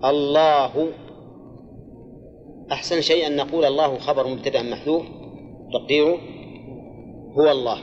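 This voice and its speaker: A man's voice: a little high, fairly even intonation, normal speed, long pauses, darkish tone, dull audio. An older man teaching a grammar and exegesis class, explaining step by step, repeating key phrases and quizzing his students. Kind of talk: classroom lesson with questions to students.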